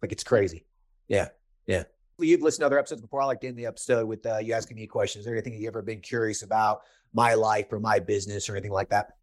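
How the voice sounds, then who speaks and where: A man's voice: lowish voice, rapid-fire. A man in his thirties hosting a podcast, giving casual business coaching in a blunt, emphatic way and repeating his key points.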